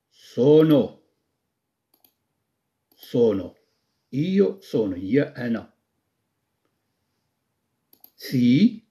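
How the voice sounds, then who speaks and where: A man with a Moroccan Arabic accent teaching Italian in a live-stream lesson, repeating words slowly, quizzing his viewers and praising their answers. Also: medium pitch, dark tone.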